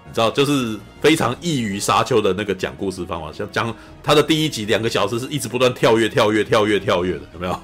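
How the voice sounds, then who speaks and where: A man from Taiwan, co-hosting a podcast and chatting casually about a film, animated, acting out scenes and often saying "you know". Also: on the low side, quick pace, hardly any pauses, faint music behind. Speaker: podcast co-host. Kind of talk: casual film review chat.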